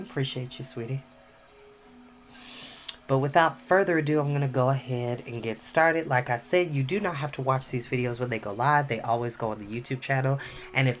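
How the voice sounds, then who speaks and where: A man hosting a casual story time livestream with sassy, campy drag-queen flair, chatting sweetly to viewers. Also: medium pitch. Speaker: host of a live story time stream. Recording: music playing behind the voice. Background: soft ambient background music.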